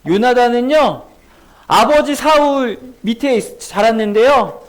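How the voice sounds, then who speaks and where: Brief: male children's pastor, high and sing-song, storytelling sermon full of questions for kids. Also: animated, measured pace. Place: church children's service.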